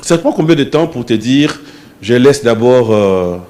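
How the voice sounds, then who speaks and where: A man's voice: mid-range voice, lively intonation, normal speed, darkish tone. A male interviewer asking curious, prompting questions.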